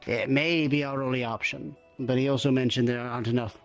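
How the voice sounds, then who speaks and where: A man's voice: mid-range voice, steady tone, brisk, soft background music. A man playing a roleplay character, talking through plans in a thoughtful, casual way. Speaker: roleplay player.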